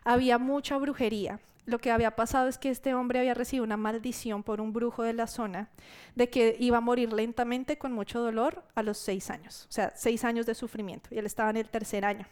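A woman preacher tells a testimony to her church, her voice smooth and resonant and set a little high. She tells the story in a lively way and acts out what people said. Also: quick pace.

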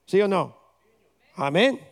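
A man's voice: sits high, very animated, slow pace. A man preaching a conversational sermon as pastor, firing rhetorical questions at the congregation and slipping English words into his talk.

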